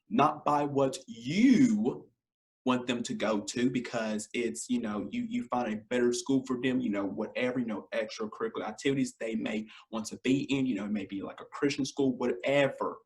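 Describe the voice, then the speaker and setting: Young man, hoarse scratchy voice, education podcast host, direct talk to parents, home webcam. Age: young adult. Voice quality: scratchy, deep. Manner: direct, repeats key points, addresses parents as y'all. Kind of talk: casual educational monologue. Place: home living room, indoors.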